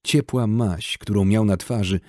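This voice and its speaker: A man reading an audiobook in steady, measured scripted narration. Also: lowish voice, dry recording, studio quality.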